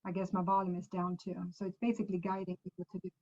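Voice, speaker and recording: A woman's voice: fairly low pitch, monotone, racing, a little mellow, lo-fi sound. A woman from Sweden with a Swedish accent, casually walking viewers through apps on a shared screen, chatty and loose, correcting herself as she goes. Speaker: presenter.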